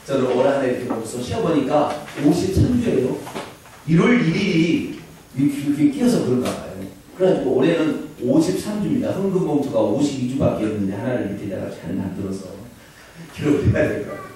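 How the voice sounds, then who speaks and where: A male pastor preaching a sermon in a church, with animated, emphatic calls to the congregation. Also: mid-range voice, a little fast, a little hiss or hum. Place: church sanctuary. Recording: echoey church hall, distant mic.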